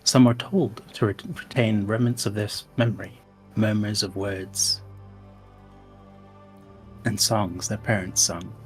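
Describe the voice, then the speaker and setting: A man playing a tabletop game, telling an ominous story in character with a slow, dramatic delivery. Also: fairly low pitch, fairly even intonation, faint music behind. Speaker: player.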